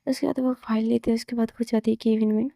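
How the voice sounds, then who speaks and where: A woman telling a romance story in a relaxed, casual way, moving between narration and the characters' lines, with loose fillers. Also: fairly high pitch, fast talker, vocal fry, no room sound, studio quality. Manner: narrates plainly, slips into quoted dialogue, loose fillers.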